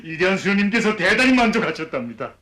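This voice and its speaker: An actor with a North Korean accent playing a solemn, dutiful official in a film, speaking formally and emphatically. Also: male voice, high-pitched, sing-song, fast talker, bright, forceful tone, heavily acted. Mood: solemn pride. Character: solemn, dutiful male official relaying momentous news.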